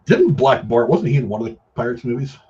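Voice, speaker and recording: A man's voice: mid-range voice, lively intonation, quick pace, a little mellow, breathy edge, dull audio. A man co-hosting a casual film chat, telling rambling anecdotes in slangy, profane language. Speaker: podcast co-host.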